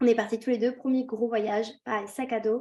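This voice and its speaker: Speaking at a fairly slow pace, a woman has a fairly high voice with a dark, mellow tone. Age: 20s. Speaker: podcast host, coach. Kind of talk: casual interview conversation.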